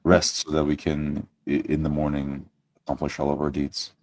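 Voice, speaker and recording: An extremely deep, dry-sounding, courteous lord adventurer, played by a man in a tabletop game. He is earnest and formal, with polite, halting phrasing. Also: completely flat delivery, a little mellow, dry recording.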